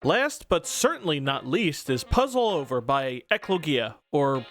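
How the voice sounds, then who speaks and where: A man's voice: a little high, very animated, a little slow, fairly bright tone. A man giving a casual, scripted game review in an irreverent, informal, sweary way. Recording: music behind the voice. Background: background music.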